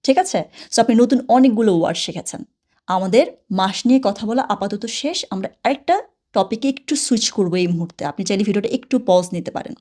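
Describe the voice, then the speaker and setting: A woman whose first language is Bengali teaches a German lesson in a mellow, warm voice. She keeps checking in with the listener and has them repeat words after her, like a patient teacher. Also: mid-range voice, lively intonation, fairly quick. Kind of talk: casual spoken lesson.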